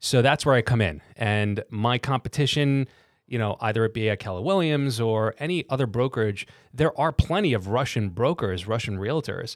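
A man speaks in a New York accent at a moderate pace. His intonation is lively. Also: medium pitch for a man, dry, close sound with no echo, very clean recording, silent background. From Brooklyn, New York. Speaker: real estate agent. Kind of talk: interview.

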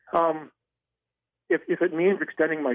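A man talks at a moderate pace with an American accent. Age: 60s. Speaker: hunting TV host and writer. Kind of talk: casual interview chat.

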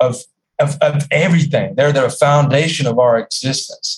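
This man has an American accent and a fairly high pitch with ordinary pitch variation. His voice is somewhat breathy. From US South, North Carolina. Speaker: healing coach. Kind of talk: interview. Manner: halting.

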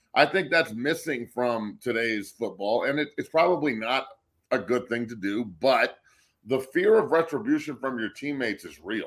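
Against a silent background on a very clean recording, a man talks in an animated way at a moderate pace, his medium pitch carrying lively intonation. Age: 40s. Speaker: personal trainer. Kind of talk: casual banter. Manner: animated, joking.

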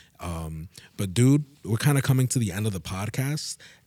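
A man with a New Jersey accent is heard in a very clean recording with a silent background. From New Jersey, Passaic County. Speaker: podcast host. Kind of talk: casual chat. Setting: studio.

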